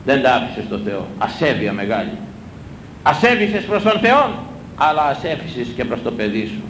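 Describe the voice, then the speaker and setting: A man's voice: very animated, fairly bright tone. A man preaching a sermon, scolding his listeners with rhetorical questions and hammering his points home through repetition. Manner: emphatic, repetitive exhortation. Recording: echoey room with low rumble.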